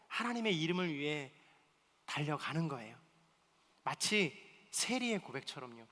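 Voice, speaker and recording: A male pastor preaching a sermon, moving between loud emphatic pleas and soft hushed asides. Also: a little high, long reverb tail. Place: church hall.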